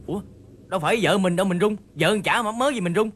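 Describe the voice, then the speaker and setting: An actor with a Southern Vietnamese accent playing a glib, scheming comic husband who wheedles and breaks into sung lines. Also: male voice, sits high, quick pace, a bit bright, husky. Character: scheming, fast-talking comic husband plotting against the wives.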